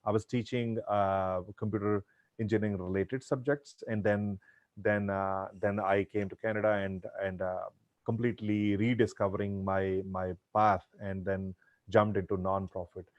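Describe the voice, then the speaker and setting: A guest speaker from India, a native Punjabi speaker, gives earnest advice during a virtual Q&A video call, often restarting his sentences. His fairly low, darkish voice is flat and at normal speed, with dry, close, lo-fi sound and no room sound.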